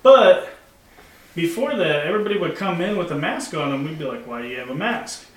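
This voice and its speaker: A man's voice: a little high, expressive, brisk, fairly bright tone, far from the mic. A man telling stories in a loose, laughing way, swearing freely as a podcast co-host. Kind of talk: casual storytelling chat. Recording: echoey room, off-mic, faint noise.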